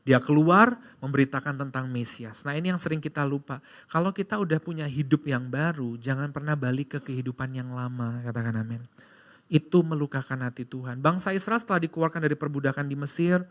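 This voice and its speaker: A pastor preaching a sermon in a church, telling a personal story and calling out to the congregation, moving between loud emphatic stretches and quiet confessional ones. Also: male voice, mid-range voice, a little fast. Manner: lively storytelling, addressing the congregation as "Saudara". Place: church sanctuary.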